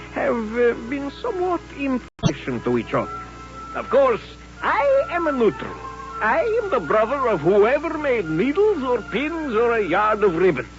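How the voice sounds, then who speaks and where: An actor playing a wry, philosophical gypsy peddler who narrates an old radio drama in a theatrical, musing manner. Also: male voice, high-pitched, wildly swooping pitch, moderate pace. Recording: dull vintage radio recording, music behind.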